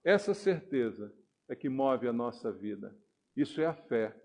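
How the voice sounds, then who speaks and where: A man preaching a sermon in Brazilian Portuguese, emphatic, with sharp rises and falls for stress. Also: mid-range voice, very animated, measured pace, vocal fry. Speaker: pastor.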